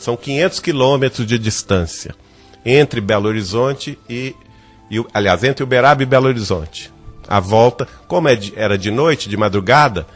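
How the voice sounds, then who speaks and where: A Brazilian man speaks as a guest on a radio talk show and tells a personal anecdote with animated energy. He acts out the dialogue in his story, and his voice sits at an ordinary mid pitch. Soft music plays faintly in the background.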